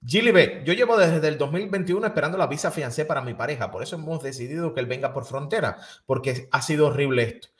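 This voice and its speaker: Male show host in his thirties, slightly raised pitch, steady reader of viewer questions into a studio mic. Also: fast talker, hardly any pauses. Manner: reads viewer questions aloud evenly. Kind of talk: reading viewer questions and interviewing. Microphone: studio microphone on boom.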